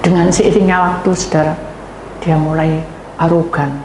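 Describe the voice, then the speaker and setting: A woman pastor with a Javanese accent, preaching a sermon as animated storytelling that addresses the congregation. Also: low-pitched, normal speed. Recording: echoey hall with faint noise.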